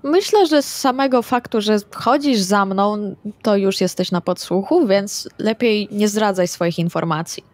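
A woman's voice: medium pitch, unhurried, hardly any pauses, darkish tone, no room sound. A woman playing a tabletop roleplaying game, talking casually in character, matter-of-fact and offhand. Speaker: tabletop RPG player.

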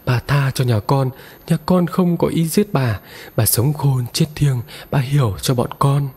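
A man's voice: medium pitch, a little slow, a little mellow, slightly rough. A man voicing a frightened rural wife who speaks in a shaky, fearful way. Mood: pleading. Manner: trembling, fearful. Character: terrified rural wife, middle-aged. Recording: long reverb.

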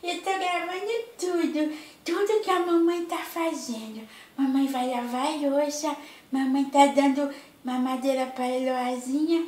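A woman voicing a cheeky, playful little boy with a Brazilian accent, in a high, sing-song, teasing voice. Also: darkish tone. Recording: roomy, from farther off.

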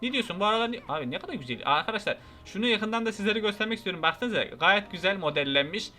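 A high-pitched, bright-voiced man rattling off excitable gameplay commentary. He jokes and shouts at the on-screen characters as he plays, with faint game music running underneath. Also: very fast. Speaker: gaming YouTuber.

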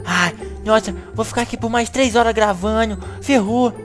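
Excitable high-voiced woman in a game comedy. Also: faint music behind. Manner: excitable, whiny, fast bursts. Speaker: gaming channel host. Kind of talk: comedic video-game animation acting.

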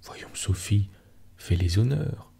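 A man softly voicing an indignant young boy in a storybook reading. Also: on the low side, expressive, slow, gravelly, breathy edge, exaggerated voice. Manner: softly read, hushed.

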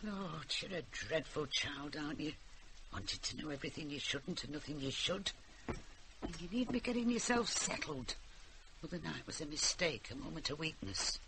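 Low-voiced, wry old Northern English grandmother. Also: expressive, moderate pace. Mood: wry scolding. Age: older. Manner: wry, teasing, scolding. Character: sharp-tongued, fond old grandmother, wry and scolding. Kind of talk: naturalistic radio drama acting. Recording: noisy radio drama recording.

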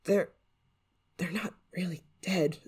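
A woman's voice: fairly low pitch, fairly even intonation, takes it slowly, a little mellow, breathy edge, exaggerated voice. A woman playing a flustered, affectionate novice witch in an ASMR roleplay, speaking in a hesitant, fretful way. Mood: worried, flustered. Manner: hesitant, stammering, fretful, sighing. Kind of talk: ASMR roleplay monologue to the listener.

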